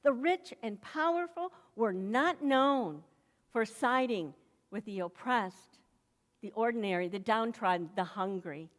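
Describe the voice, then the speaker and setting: A woman pastor preaches a sermon in a slow, deliberate rhythm, letting each phrase land before the next. Her voice sits a little high for a woman, and the long reverb of a church hall trails behind her words. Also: animated. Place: church sanctuary.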